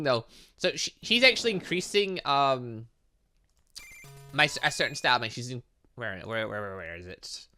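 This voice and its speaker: Lively, bright-voiced man rambling over a game. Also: fairly high pitch. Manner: rambling, thinking aloud, muttering filler sounds. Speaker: gaming channel host. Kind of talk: casual let's play commentary on a visual novel game.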